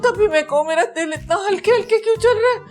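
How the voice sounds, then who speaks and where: A woman's voice: high voice, animated, a little fast, faint music behind. An actress playing a melodramatic, demanding older mother who wails and complains. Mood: wailing. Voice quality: wailing, complaining. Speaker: mother-in-law. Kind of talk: sitcom acting.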